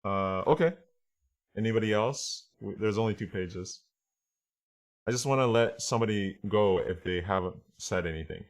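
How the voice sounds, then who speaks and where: A man with a low-pitched voice teaches a casual online language class. He explains and translates while thinking aloud, often pausing to check that everyone follows.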